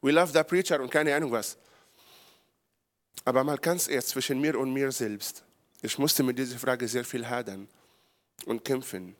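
Preaching in German with some grammatical errors, an Israeli pastor delivers a charismatic sermon in a medium-pitched voice that climbs to loud, forceful high points.

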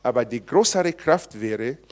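A man's voice: mid-range voice, expressive, measured pace. A man preaching in church in a conversational way, asking the congregation questions. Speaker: pastor. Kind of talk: sermon. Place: church service.

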